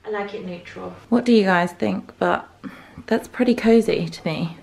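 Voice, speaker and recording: A woman's voice: mid-range voice, normal speed, vocal fry, darkish tone, slight background noise. A young woman, chatting casually to camera while doing chores around her bedroom and thinking aloud. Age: young adult. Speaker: vlogger. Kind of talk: casual vlog chat. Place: bedroom at home, indoors. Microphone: camera held at arm's length and set on furniture.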